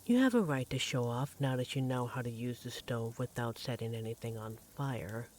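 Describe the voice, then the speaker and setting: A man playing an affectionate, devoted vampire partner in a roleplay audio drama, speaking in a tender, gently teasing, conversational way. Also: mid-range voice, moderate pace, lightly acted. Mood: teasing, amused. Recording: clearly audible background noise, sizzling kitchen effects.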